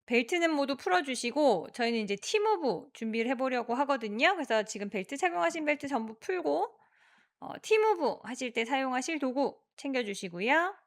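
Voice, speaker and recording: A woman exercise instructor guiding a workout, giving encouraging cues and counting reps aloud in a steady rhythm. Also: high-pitched, moderate pace.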